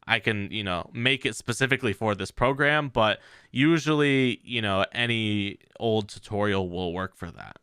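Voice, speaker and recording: Bright-voiced man giving a tutorial. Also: mid-range voice, clean tone, dry recording, studio quality. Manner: loose, filler-heavy explaining. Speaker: tech channel host. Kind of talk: casual tutorial.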